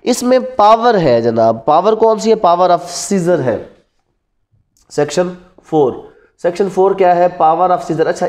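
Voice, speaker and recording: A Pakistani man with a slightly high voice gives a classroom lecture. He keeps asking questions that he answers himself, and he repeats important terms for his students. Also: a little mellow. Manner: asks rhetorical questions and repeats key points. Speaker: law teacher. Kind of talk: classroom lecture mixing Urdu and English terms. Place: indoors in front of a classroom whiteboard.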